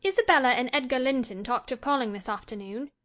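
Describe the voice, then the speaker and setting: A woman reading aloud, voicing a petulant, spoiled teenage girl in a high, lively voice. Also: fast. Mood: peevish.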